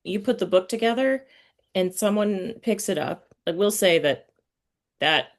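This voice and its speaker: A woman's voice: medium pitch, animated, a little slow. A woman hosting a casual chat, talking informally in a rambling way and often interrupting herself. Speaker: podcast host, interviewer.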